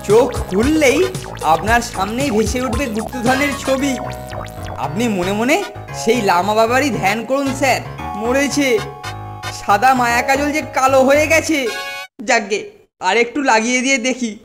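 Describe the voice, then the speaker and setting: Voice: mid-range voice, moderate pace, lightly acted. A performer voicing a sly, boastful teenage schoolboy bully in a children's cartoon, theatrical and wheedling, with music behind. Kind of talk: Bengali children's cartoon dubbing.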